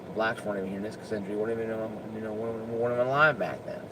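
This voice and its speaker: Low-voiced man ranting over a humming background. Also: steady tone, rapid-fire, noisy background. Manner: emphatic, with frequent stammered restarts. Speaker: political commentator. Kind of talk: unscripted opinion rant.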